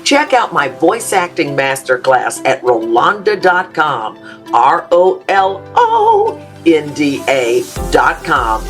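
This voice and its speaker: A woman's voice: sits low, wildly swooping pitch, slow pace, soft background music. A woman speaking directly to viewers with an upbeat, emphatic promotional delivery. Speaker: show host.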